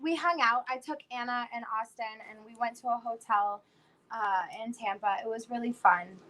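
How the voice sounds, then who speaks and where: A woman in her twenties from South Florida hosts a casual livestream chat, chatty and rambling with many fillers, though she has lost her voice and it sounds worn out and nearly gone. Her voice is fairly high and sharp at a moderate pace, on a rough recording.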